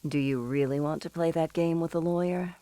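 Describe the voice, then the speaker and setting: A woman's voice: low-pitched, fairly even intonation, brisk, dark tone, clear, resonant tone, no echo. An actress playing a poised, protective middle-aged mother and lawyer in an audio drama, articulate and firm but kindly. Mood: friendly, teasing.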